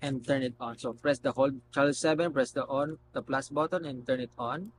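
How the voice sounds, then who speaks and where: A man doing a casual, unscripted product demonstration, explaining step by step in a halting way. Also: mid-range voice. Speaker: product reviewer. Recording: noticeable background noise and hum.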